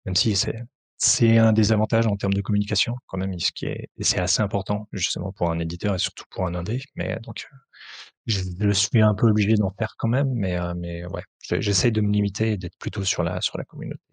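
A man with a low, gravelly, slightly husky voice answers in a halting way, circling back with fillers and restarts. The recording is dry and close. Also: steady tone, dry recording. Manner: hesitant, many fillers and restarts. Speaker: tabletop RPG author, translator and publisher. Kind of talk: conversational interview answers.

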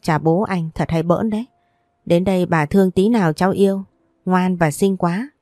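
A woman's voice: lowish voice, moderate pace, a little mellow, no echo, studio quality, lightly acted. A woman voicing an older countrywoman, a fussing and affectionate grandmother who scolds her son.

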